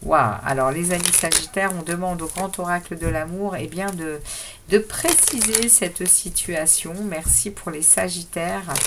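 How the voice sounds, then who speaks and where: A woman's fairly low voice at a fairly slow pace, with ordinary pitch variation and noticeable background noise. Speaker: tarot card reader. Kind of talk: tarot reading. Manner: halting.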